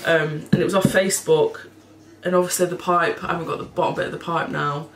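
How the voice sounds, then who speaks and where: With a lowish, slightly hoarse voice and a froggy throat, this cleaning vlogger rambles casually to her camera, which sits at table height in front of her. She talks a little fast with fairly even intonation, sometimes laughing or swearing. It's indoors in her home kitchen, which sounds echoey and has background noise.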